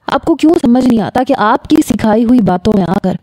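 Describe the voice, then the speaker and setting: A woman storyteller reading a scripted romance story, voicing every character in her own voice and lifting her pitch for quoted lines. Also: expressive, warm tone, no room sound, clean studio sound.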